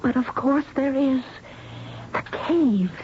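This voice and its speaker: Emotional radio-drama heroine. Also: female voice, high voice, takes it slowly. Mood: anxious, eager. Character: shaken but determined young heroine. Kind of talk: 1970s radio drama acting. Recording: muffled noisy old radio recording.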